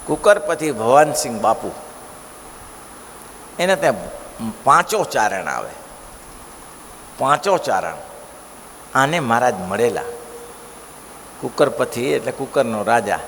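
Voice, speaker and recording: A male preacher giving a devotional scripture discourse, telling stories in an animated way and asking the listeners rhetorical questions. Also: medium pitch, gravelly. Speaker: religious preacher. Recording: long hall reverb, faint noise.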